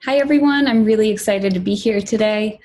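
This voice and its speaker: A woman from Poland, raised in New York, giving a prepared conference talk as a product director, measured and clear, with lists and emphasis. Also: medium pitch, a little mellow. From Poland, raised in New York City.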